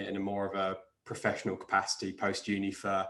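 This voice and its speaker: With an English accent, a man speaks at a fairly low pitch and a fairly quick pace against a quiet background. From England, Brighton. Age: 20s. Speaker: mental health advocate and blogger. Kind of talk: interview.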